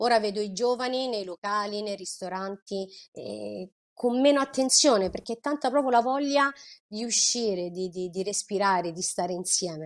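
With lively intonation, a woman speaks at a moderate pace over a quiet background. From Rome, Italy; Italy. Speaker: author; guest. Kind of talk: interview. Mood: warm, reflective. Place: home room. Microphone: earbuds.

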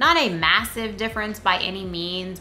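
At a moderate pace, a woman talks in a normal speaking voice, fairly low in pitch with ordinary pitch variation, over light background noise. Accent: American. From Northern Virginia, US (Leesburg); Virginia. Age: 30s. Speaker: local area video host. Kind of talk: scripted informational presentation. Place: kitchen.

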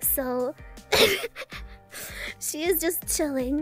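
Over music in the background, a woman talks at an extremely high pitch with lively intonation, the sound dry with no echo. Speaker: VR streamer showing her room. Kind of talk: casual stream chat. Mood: playful, laughing often.

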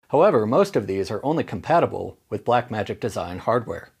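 In a very clean recording with a silent background, a somewhat breathy man talks at a fairly quick pace with very wide pitch swings. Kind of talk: scripted tutorial narration, with a brooding noir-style voiceover sample. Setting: screen-recorded tutorial. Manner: clear, even and instructional in the rest of the tutorial.

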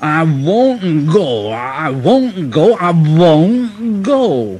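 Rumbling in a put-on character voice at a middle pitch, the speaker moves at a very slow pace with very wide pitch swings. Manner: grumbling, complaining.

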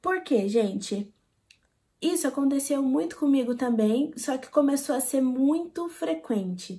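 A woman's high voice with a dark, mellow tone, fairly slow and lively in intonation, over a quiet background. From Brazil. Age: 20s. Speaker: au pair vlogger. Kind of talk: vlog advice talk. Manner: animated. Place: home room.

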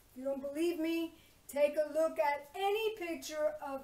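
Speaking at a moderate pace, a woman uses ordinary pitch variation while audible room echo rings around her. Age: 50s. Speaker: life coach and vlogger. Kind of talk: casual vlog monologue. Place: home room. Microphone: phone near.

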